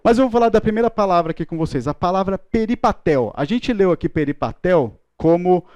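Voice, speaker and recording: A man's voice: sits high, animated, fairly quick, darkish tone, clear, resonant tone, no room sound. A man with a Brazilian Portuguese accent teaching a Bible school class in a playful, joking way, leading the room in chanting letters. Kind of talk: lively classroom lesson.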